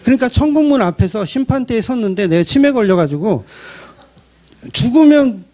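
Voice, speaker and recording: A man's voice: high voice, animated, quick pace, mellow. A male pastor delivering a church sermon in a conversational way, with rhetorical questions and light humor.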